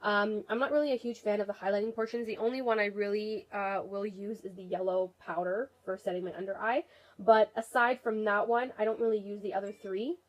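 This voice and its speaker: A woman's voice: mid-range voice, steady tone, fairly quick, rough recording. Young woman, nasal and stuffed up, casual beauty vlog chat, rambling with ums, talking to her camera. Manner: chatty, rambling, many fillers. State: sick, nasal and congested. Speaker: beauty vlogger.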